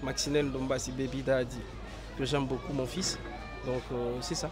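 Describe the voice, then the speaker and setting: A young man from Congo with a hoarse voice from a cold, answering interview questions outdoors in a halting, filler-heavy way. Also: mid-range voice, level tone, over music, crowd noise. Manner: hesitant, many fillers and restarts. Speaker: interview guest, actor. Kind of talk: casual interview, mixing French and Lingala.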